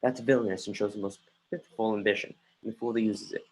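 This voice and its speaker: An actor playing an earnest, brooding young prince in a Shakespeare stage reading, with a husky voice and halting delivery. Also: male voice, lowish voice, steady tone, a little mellow, low-quality recording. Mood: brisk commanding. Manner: halting, restarts phrases mid-line. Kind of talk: dramatic reading of Shakespeare, often stumbling. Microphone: home computer mic on a livestream.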